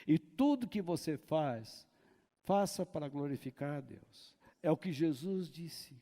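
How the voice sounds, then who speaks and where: A man preaching a sermon as pastor, slow and deliberate, breaking now and then into shouted dramatizations. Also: a little high, lively intonation. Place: church hall. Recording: long hall reverb.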